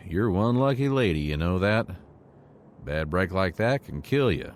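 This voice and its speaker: A man's voice: low-pitched, sing-song, a little slow. An actor playing a lonely, protective man long stranded as a castaway in an audio drama. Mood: reassuring.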